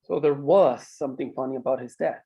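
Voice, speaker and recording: A man playing a calm, persistent small-town mayor in a screenplay table read, measured and probing. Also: medium pitch, husky, highs cut off.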